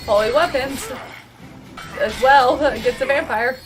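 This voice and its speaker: A woman giving casual, excitable reaction commentary while watching an animated show, exclaiming and giggly. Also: high-pitched, a little slow, rough recording. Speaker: reaction host. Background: animated show soundtrack.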